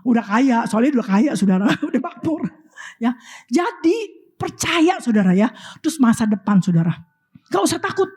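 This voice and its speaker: A woman's voice: fairly high pitch, big pitch swings, moderate pace, darkish tone, breathy edge. A woman preaching a sermon in church, calling the congregation "brothers and sisters" again and again and acting out conversations in colloquial slang.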